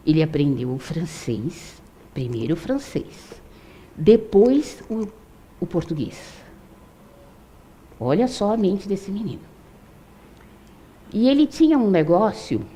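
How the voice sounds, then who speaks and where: A woman's voice: lowish voice, dark tone. An older woman telling a true story to an audience in a conversational way, with frequent tag questions.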